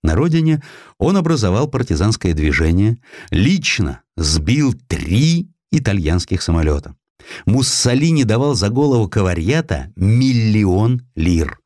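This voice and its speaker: A man reading a historical essay as an audiobook narrator, in a measured, dramatic storytelling delivery with expressive emphasis. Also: on the low side, no echo, clean studio sound.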